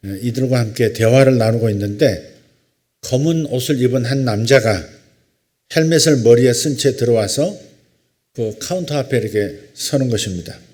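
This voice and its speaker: A male pastor with a medium-pitched voice preaches a sermon. He reads scripture slowly and solemnly, then shifts into a relaxed, conversational story.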